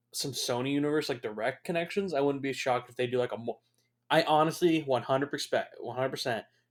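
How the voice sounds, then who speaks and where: A man at a fairly high pitch with ordinary pitch variation, on a very clean recording with a silent background. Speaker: movie commentary youtuber. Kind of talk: casual movie commentary. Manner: loud.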